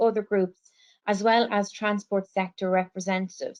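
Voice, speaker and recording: A woman uses a plain, everyday voice, her pitch medium and her pace moderate. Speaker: conference presenter. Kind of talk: conference presentation.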